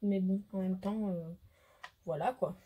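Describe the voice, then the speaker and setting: A hoarse woman with a French accent, a beauty vlogger chatting casually to camera, hesitant and full of fillers. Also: mid-range voice, steady tone, unhurried, dark tone. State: hoarse, losing her voice. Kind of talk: casual makeup haul chat to camera.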